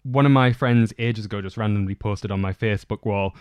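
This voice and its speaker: A man with a soft, camp, slightly feminine voice, chatting casually as a podcast host. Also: lowish voice, fairly quick, clean tone, no echo.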